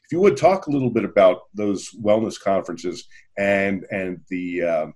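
A man's voice: fairly low pitch, normal speed, a little mellow. A man hosting a conversational interview, feeling his way through sentences with hesitations and repeated words. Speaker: interviewer, host.

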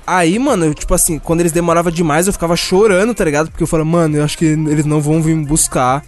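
A man's voice: fairly high pitch, fairly even intonation, rapid-fire, soft background music. A man on a casual podcast, telling a childhood story in a rambling way with many fillers. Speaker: podcast co-host. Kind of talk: casual chat.

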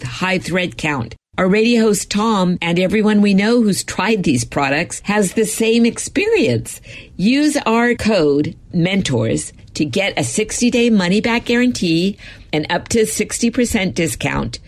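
A woman, a radio show's executive producer, giving a chatty, enthusiastic sponsor testimonial. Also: medium pitch. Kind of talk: scripted sponsor read.

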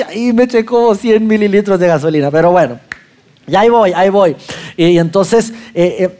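A man with a Mexican accent telling a lively personal anecdote to an audience, acting out his own lines as he goes. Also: high-pitched.

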